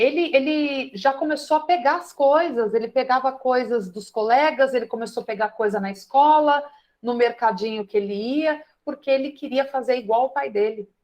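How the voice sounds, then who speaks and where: A woman's voice: high-pitched, darkish tone. A middle-aged woman teaching an online class, telling a counseling case and acting out both sides of the conversation.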